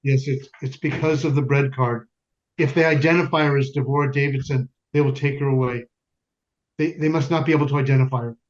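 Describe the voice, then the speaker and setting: An actor playing a stern yet tender, grieving Jewish father in a wartime ghetto, speaking in solemn, deliberate stage monologue with weighty pauses. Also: mid-range voice, steady tone, slight background noise, lightly acted. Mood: grim, resolute. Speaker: stage actor in community theater. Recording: dull lo-fi recording, music underneath.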